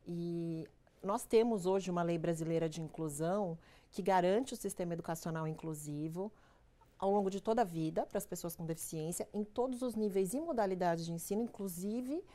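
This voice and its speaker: A woman's voice: fairly low pitch, brisk, dark tone. A woman with a Brazilian Portuguese accent, a legal specialist guest on a talk show, explaining formally.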